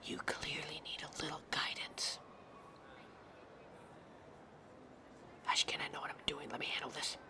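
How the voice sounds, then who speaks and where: A woman's voice: deep voice, fairly even intonation, brisk, in a whisper, close to an everyday voice. A woman playing a vain, easily offended talking fashion mannequin in a scripted audio roleplay, theatrical, condescending and fussy. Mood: hushed scheming. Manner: theatrical, condescending, fussy, calls listeners darling.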